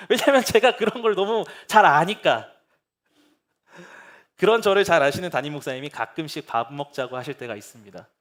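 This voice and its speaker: A man with a high voice preaches in a church. He speaks earnestly, at times soft and consoling, at times fervent and pleading. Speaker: pastor. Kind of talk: sermon. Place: church sanctuary.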